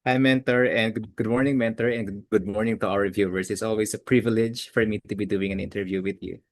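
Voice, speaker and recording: Soft-spoken, low-voiced man. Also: fairly even intonation, quick pace. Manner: polite and deferential, switching between two languages. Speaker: interview guest. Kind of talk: personal interview.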